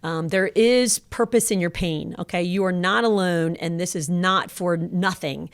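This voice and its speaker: Middle aged lady radio cohost, kinda low voice, earnest counselor type encouragement, dry close mic. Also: normal speed, clean tone, no echo. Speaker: radio show co-host and counselor. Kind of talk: conversational faith-based encouragement.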